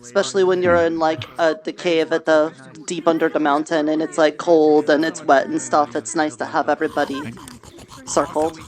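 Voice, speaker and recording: A woman's voice: low voice, little pitch movement, moderate pace, faint music behind, close to an everyday voice. A woman roleplaying an earnest, childlike church leader in a fantasy world, with simple, polite, hesitant phrasing. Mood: earnest, gentle. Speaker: roleplay streamer. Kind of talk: improvised in-character roleplay in a virtual world.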